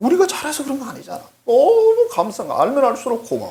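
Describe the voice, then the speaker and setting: A man is speaking. He goes at a very fast pace. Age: 70s. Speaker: senior pastor. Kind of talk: sermon. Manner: animated.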